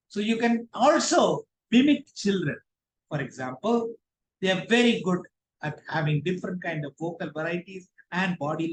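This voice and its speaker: A high-voiced man with an Indian accent leads a workshop as a trainer. He speaks in an instructive, deliberate manner and stresses his points. The sound is roomy and echoing. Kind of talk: workshop teaching.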